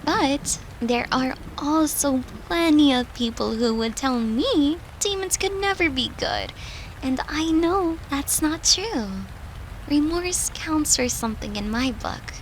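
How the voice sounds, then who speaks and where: A woman playing a devoted, tender girlfriend who soothes her lover in a soft, affectionate, intimate roleplay. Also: high voice, animated, slight background noise, low-quality recording. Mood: earnest, reassuring. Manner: soft, soothing, affectionate, unhurried, at times whispering. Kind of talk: intimate roleplay audio, comforting.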